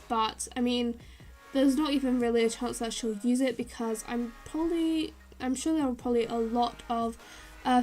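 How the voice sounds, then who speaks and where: A woman's voice: a little high, darkish tone. A young woman with a blocked, nasal nose, chatting loosely through a game-building voiceover with many fillers. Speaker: game building channel host. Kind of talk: casual voiceover over a speed build.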